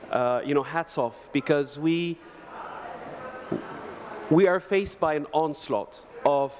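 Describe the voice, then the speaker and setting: A man's voice: mid-range voice, slight background noise. Man telling his story on a panel stage. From Denmark. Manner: reflective storytelling, gesturing with his hands. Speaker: panel speaker. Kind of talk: conference panel talk. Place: large conference hall stage. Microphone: desk microphone on a stand.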